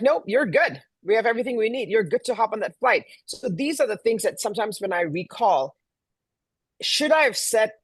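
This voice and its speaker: A man's voice: high voice, husky, dry recording. A middle-aged man from Malaysia answering interview questions as a guest, telling personal stories in a conversational way. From Kuala Lumpur, Malaysia. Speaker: guest, event planner.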